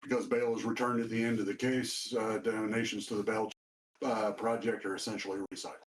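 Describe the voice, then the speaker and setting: A man's voice: fairly low pitch, level tone, brisk, reverberant, rough recording. A man chatting offhandedly on a stream while his microphone keeps cutting out mid-sentence, so his words come through choppy. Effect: mic cutting out mid-sentence, choppy dropouts. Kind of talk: casual stream chat over a call.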